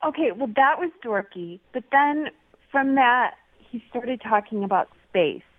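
A woman's voice: a little high, animated, measured pace, no echo. Woman on a tinny phone line. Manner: guarded, laughs while talking. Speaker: caller. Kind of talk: phone conversation on radio.

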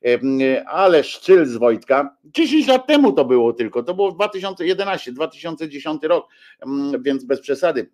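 A man's voice: on the high side, very animated, a little mellow. Hesitant male radio host. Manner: hesitant, full of drawn-out fillers. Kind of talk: casual radio talk, reading listener messages.

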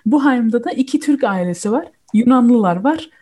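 Mellow woman chatting casually. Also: fairly high pitch, animated, moderate pace. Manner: switches between Turkish and German mid-sentence. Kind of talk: casual chat, explaining a film.

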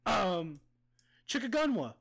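Lively high-voiced young man hosting. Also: slow pace, gravelly, husky. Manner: goofy, joking, animated game-show announcing. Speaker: podcast co-host running a quiz game. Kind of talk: casual chat.

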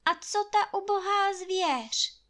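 A woman's voice: extremely high pitch, a bit bright, pitched above the performer's own voice. A woman voicing an outspoken young village girl in a storybook reading. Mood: alarmed. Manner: indignant, outspoken.

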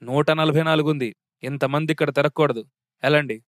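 A man voicing a pompous, easily flustered middle-aged village policeman who mutters lowly and puts on sternness. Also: steady tone, a little fast, no room sound, clean studio sound, close to an everyday voice. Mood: mock-stern.

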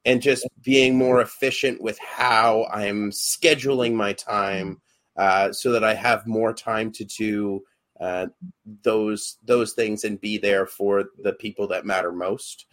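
A man's voice: on the low side, flat delivery, slow, a bit bright. A young adult man, a podcast co-host and actor, chatting casually and hesitantly with many fillers and restarts.

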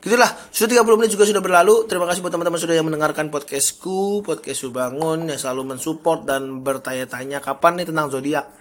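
A young man talks through his solo podcast in a loose, chatty way, catching his own slips and laughing them off. His voice sits a little high for a man and has a husky, breathy grain. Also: fast, hardly any pauses. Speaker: podcast host. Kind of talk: casual solo podcast monologue.

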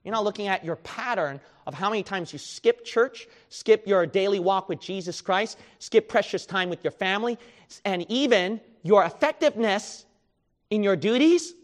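A male preacher delivers a sermon in a high-pitched voice. He pushes his listeners with rhetorical questions and plays out their excuses in quoted voices. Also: animated, normal speed.

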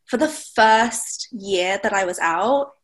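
A woman's voice: mid-range voice, expressive, slow. A young woman from Thailand, a blogger being interviewed, chatting casually with lots of fillers and laughs. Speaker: blogger, guest.

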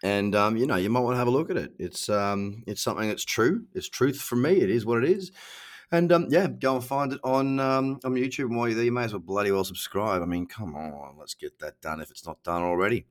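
A middle-aged Australian man hosts his solo podcast in a loose, slangy, self-mocking style, talking fairly quickly. His voice sits on the low side and sounds nasal and stuffy because of a cold.

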